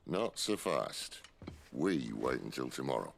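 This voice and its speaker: An actor playing a gruff, wry middle-aged rebel leader with a husky, commanding voice in a video game. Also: male voice, very animated, unhurried, slight background noise, exaggerated voice. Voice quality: very deep, gravelly, husky. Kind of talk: cinematic game cutscene acting.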